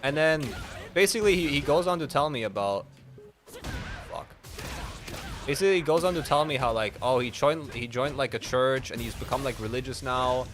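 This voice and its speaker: A man's voice: mid-range voice, normal speed, fairly bright tone. A young man streaming a game, telling a story in a casual, rambling way with lots of swearing and "like" fillers. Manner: rambling, profane, heavy use of "like". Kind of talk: casual storytelling while playing.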